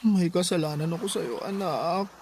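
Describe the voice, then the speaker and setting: High-voiced, emotive motherly gay figure. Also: normal speed, a little mellow, a little hiss or hum. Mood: apologetic. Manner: emotive, nagging, affectionate. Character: hurt, scolding but forgiving gay mother figure. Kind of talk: Tagalog radio drama acting. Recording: music bed behind the voice.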